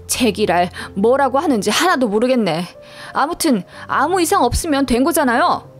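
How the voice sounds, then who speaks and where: A woman's voice: high-pitched, sing-song, normal speed, soft background music. A woman voicing a crude, contemptuous husband in a story reading, sneering and insulting.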